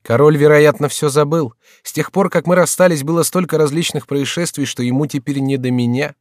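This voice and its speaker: A man voicing a rash young nobleman with a sardonic, brisk manner, in an audiobook reading. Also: fairly high pitch, no room sound, studio quality, voice pushed up, lightly acted. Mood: wry.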